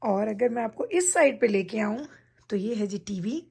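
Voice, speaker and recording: Woman, home vlog, chatty, talks straight to viewers, slightly high, breathy, bedroom at night, phone mic. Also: lively intonation, moderate pace, mellow. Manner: chatty, addresses viewers directly while showing things. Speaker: vlogger giving a room tour. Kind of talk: casual home vlog talk.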